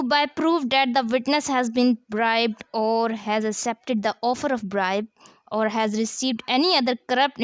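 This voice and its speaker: A woman's voice: a little high, clear, resonant tone, dry recording, studio quality. A woman with a South Asian accent giving an explanatory lecture as a law teacher, didactic, posing questions and answering them, repeating key phrases.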